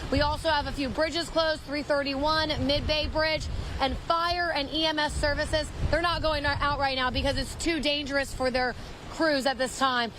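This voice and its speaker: High-voiced woman reporter outdoors in wind. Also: fairly even intonation, normal speed. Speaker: field TV reporter. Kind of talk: live storm report, conversational. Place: outdoors in a windy storm. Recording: faint outdoor wind noise.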